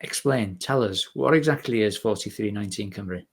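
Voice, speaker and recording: A man hosting a conversational interview, chatty and a little hesitant, softening his questions with tags. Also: fairly low pitch, fairly quick, vocal fry, slightly rough. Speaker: interviewer, host.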